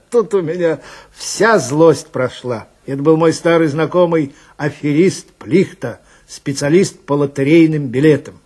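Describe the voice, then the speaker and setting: A man's voice: fairly high pitch, measured pace, a little mellow, husky. A man telling a first-person story dramatically, in a conversational, wry way, as a police detective narrator.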